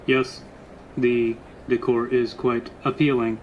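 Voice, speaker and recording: A man voicing a loyal, literal-minded robot bodyguard in a tabletop roleplay, speaking in stilted, halting, formal phrases. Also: mid-range voice, level tone, a little mellow, lo-fi sound, slight background noise, natural voice. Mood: measured, stilted.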